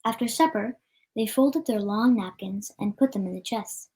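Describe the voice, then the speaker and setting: A woman reading a storybook aloud in a plain, somewhat halting manner. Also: a little high, dark tone, slight background noise. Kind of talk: read-aloud storybook narration.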